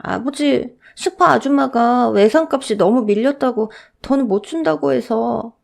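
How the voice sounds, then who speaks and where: A woman voicing a timid young boy who pleads in a high, tearful voice in a Korean audio story. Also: measured pace, creaky, a little mellow. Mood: pleading.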